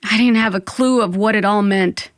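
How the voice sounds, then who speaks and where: A woman's voice: mid-range voice, normal speed, dry recording, clean studio sound, natural voice. A woman playing a dramatic, dreamy young Latina who narrates her own story in an audio drama. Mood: alarmed, bewildered. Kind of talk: first-person scripted audio fiction narration.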